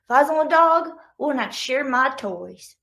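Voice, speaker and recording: A woman's voice: high-pitched, animated, a little fast, pushed and bright, full character voice. A woman voicing a jealous, put-upon male middle-child dog in a children's storybook read-aloud. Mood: longing.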